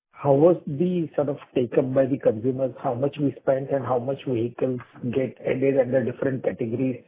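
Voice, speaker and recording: A man asking questions as an analyst on a conference call. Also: mid-range voice. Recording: muffled narrow phone line.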